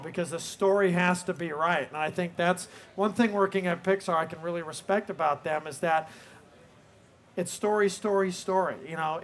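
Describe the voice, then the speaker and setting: A man, a film director on a panel, answering audience questions in a loose, rambling way, leaning often on "you know". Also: a little high. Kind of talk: live Q&A answers.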